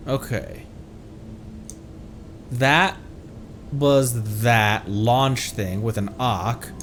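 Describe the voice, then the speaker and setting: A man streams himself playing a video game, muttering and exclaiming in playful, casual live commentary over the game's music. He talks extremely slowly in a medium, slightly bright voice, and there's a bit of hiss or hum.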